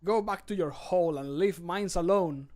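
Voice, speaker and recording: Man voicing an irritated, scornful game character, high-pitched. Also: moderate pace, a little mellow, natural voice. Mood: scornful threatening. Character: irritated, disgusted fantasy game character hurling insults. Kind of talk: video game mod voice acting.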